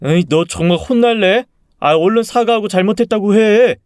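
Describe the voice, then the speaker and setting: Guy doing a fed-up dad raising his voice, smooth clear tone, dry close sound. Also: high voice, moderate pace, darkish tone, no room sound, voice pushed up, close to an everyday voice. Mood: exasperated. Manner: raised, insistent scolding. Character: exasperated young father scolding his family. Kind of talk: story reading with acted dialogue.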